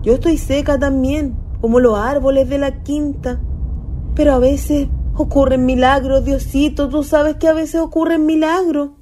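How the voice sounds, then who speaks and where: A woman's voice: high-pitched, level tone, measured pace, dark tone, slight background noise. A woman playing a lovestruck young ghost, a naive country girl with a Chilean accent and earnest colloquial speech, in a radio play. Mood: pleading. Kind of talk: radio theatre acting.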